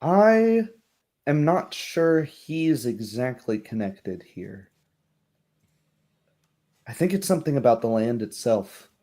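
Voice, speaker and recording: A man voicing a courteous, shrewd baroness in a tabletop roleplaying game, with measured, genteel phrasing. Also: medium pitch, big pitch swings, mellow. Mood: pensive, puzzled. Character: courteous, shrewd baroness, a noblewoman musing over her troubled land.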